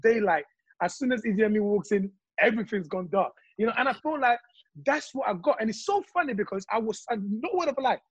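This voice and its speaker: A man from Congo talking passionately in casual chat, telling his views with animated stories. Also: sits high, fast, husky, dry recording, low-quality recording.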